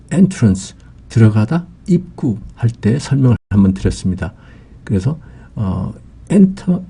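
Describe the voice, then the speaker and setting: A man's voice: lowish voice, warm tone, slightly rough. A man giving an English vocabulary lesson, explaining patiently with many fillers.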